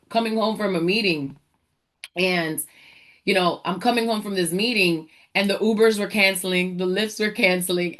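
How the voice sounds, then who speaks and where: Energetic preacherly woman host. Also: medium pitch. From Dominican Republic. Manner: energetic, preacherly, talks to audience as y'all. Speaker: podcast host, entrepreneur. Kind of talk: motivational faith talk.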